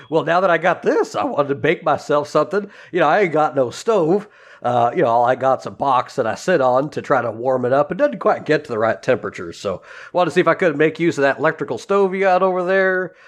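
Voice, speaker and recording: An actor playing a cheeky, oblivious homeless drifter who rambles in a folksy way, in a comedy radio sketch. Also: male voice, on the high side, animated, a little fast, close to an everyday voice. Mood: oblivious, friendly.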